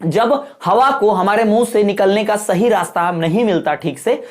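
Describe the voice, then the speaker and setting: A man's voice: high-pitched, moderate pace. Male teacher, exam-prep lecture; folksy, repetitive, keeps checking that the class follows. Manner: repetitive explaining with frequent rhetorical checks; folksy, addresses viewers as brother.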